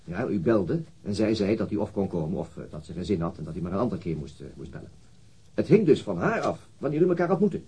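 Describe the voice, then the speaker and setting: An actor playing a police detective in a radio drama, asking probing questions in a formal, hesitant, husky manner. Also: male voice, low-pitched, sing-song, fast talker, warm tone, exaggerated voice. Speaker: police interrogator. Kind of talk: radio drama interrogation acting.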